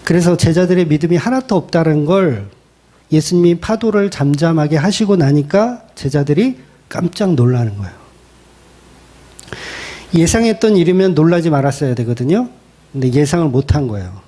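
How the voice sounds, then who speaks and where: A male pastor giving a colloquial, animated sermon and acting out quoted lines. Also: a little high, normal speed.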